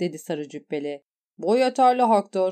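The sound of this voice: Lively intonation in an unforced reading voice, with quiet surroundings.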